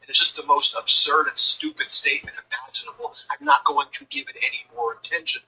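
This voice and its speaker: A man's voice: fairly high pitch, huge pitch swings, quick pace, sharp tone, husky, distant mic, poor audio. A man hosting a political commentary stream, speaking in a scornful, indignant manner. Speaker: host.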